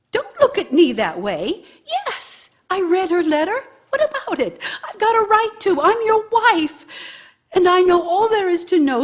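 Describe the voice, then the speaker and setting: A woman's voice: extremely high pitch, exaggerated voice. An actress playing a bitter, nagging working wife who scolds her idle husband with scorn and sarcasm in a radio drama monologue. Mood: accusing, angry.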